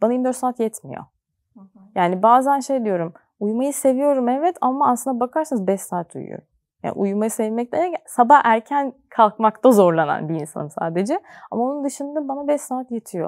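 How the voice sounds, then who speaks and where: Against a quiet background, a woman with a high pitch speaks at a moderate pace, her voice making very wide pitch swings and big swings in loudness. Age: 30s. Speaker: mobile app business developer and travel blogger; interview guest. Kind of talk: interview. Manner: hesitant, many filler sounds. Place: studio.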